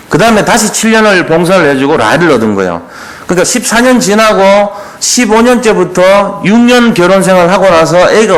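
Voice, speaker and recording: Lively-voiced man preaching a sermon. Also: high voice. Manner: conversational preaching, retelling scripture in everyday speech; asks the congregation questions. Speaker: pastor.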